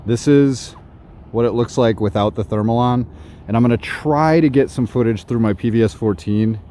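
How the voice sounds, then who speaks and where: A man reviewing gear in a casual night vlog, walking outdoors in a suburb and talking excitedly about what he sees. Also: medium pitch, moderate pace, a little hiss or hum. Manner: excited, narrating while walking. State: slightly out of breath.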